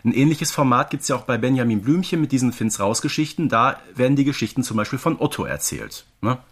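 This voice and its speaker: A man's voice: medium pitch, animated, fast, breathy edge. A man co-hosting a casual fan podcast, explaining things conversationally and often checking for agreement. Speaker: podcast co-host.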